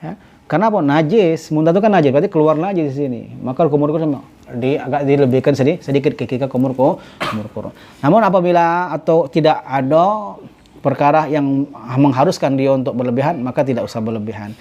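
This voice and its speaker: A man teaching a religious study class, reading Arabic phrases slowly, then explaining them with many halting self-corrections and a repeated "ya". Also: on the high side, dark tone. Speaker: ustadz teaching a kitab class. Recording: dull lo-fi recording.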